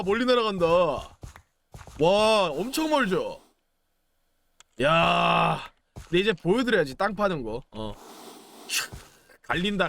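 A young man narrates his gameplay in a casual, joking way. His voice sits high and swoops up and down with lots of animation. He chants little words and shouts excitedly at what happens on screen. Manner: playful, chatty, exclaims and chants while playing. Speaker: gaming YouTuber. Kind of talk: casual game commentary.

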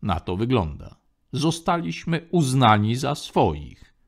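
A man voicing a quiet, terse male aide who mutters his replies. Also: medium pitch, very animated, slow pace, vocal fry, full character voice.

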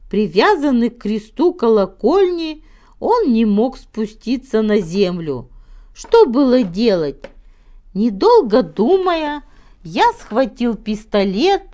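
Proud elderly baron for a storybook played by a woman, high voice, very varied intonation, earnest tall-tale teller. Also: darkish tone. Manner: self-important, earnest, deliberate. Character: proud old baron telling tall tales.

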